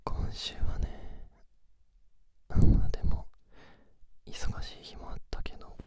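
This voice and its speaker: A man doing casual, intimate pillow talk in a soft, breathy whisper, close to a binaural microphone. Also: slow pace. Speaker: host of a pillow-talk audio series.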